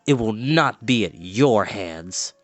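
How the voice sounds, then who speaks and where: A proud young storybook farm boy, voiced by a male narrator, indignant and quick to bristle. The sound is dry and close, with music underneath. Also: on the low side, lively intonation, no echo, pitched below the performer's own voice. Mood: indignant, defiant. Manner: defiant, indignant. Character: proud, hot-tempered teenage farm boy, assistant pig keeper.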